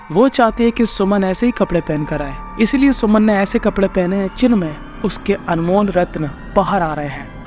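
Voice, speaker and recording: High-voiced man recapping a horror film. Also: a little mellow. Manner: chatty, jokey asides. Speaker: movie recap narrator. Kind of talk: casual movie recap narration.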